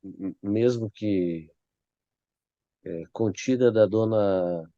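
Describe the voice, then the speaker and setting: A man's voice: on the low side, drawn-out words, dark tone, highs cut off. A man on a panel making dry remarks that trail off. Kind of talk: casual panel chat.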